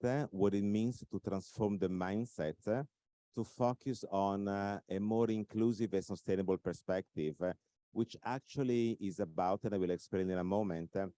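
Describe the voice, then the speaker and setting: A man with an Italian accent giving a conference talk, speaking in measured phrases with frequent fillers. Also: fairly low pitch, warm tone, no room sound. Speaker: invited speaker.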